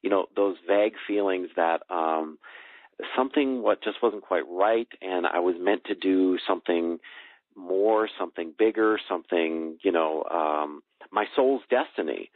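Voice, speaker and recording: A man's voice: deep voice, measured pace, no room sound. A middle-aged man speaking as a guest coach in a call interview, feeling for his words and repeating phrases for emphasis. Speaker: guest, personal growth coach and author. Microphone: telephone. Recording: dry, band-limited phone call.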